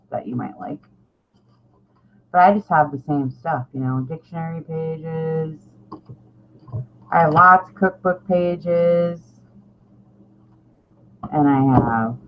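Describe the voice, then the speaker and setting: A middle-aged woman chatting casually and ramblingly to viewers as a craft vlogger, informal, self-deprecating and a little salty. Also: low voice. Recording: dull lo-fi sound, clear background noise.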